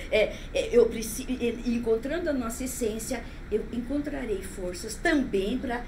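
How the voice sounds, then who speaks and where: Over noticeable background noise and audible room echo, a woman talks at a high pitch and a fairly slow pace with ordinary pitch variation. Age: 60s. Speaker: biologist and educator, motivational speaker. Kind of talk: podcast interview.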